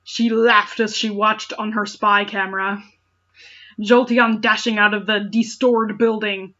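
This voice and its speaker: A woman's voice: mid-range voice, flat delivery, measured pace, bright, forceful tone, lo-fi sound. A woman reading fan fiction aloud with sarcastic, incredulous asides and exaggerated dramatic narration.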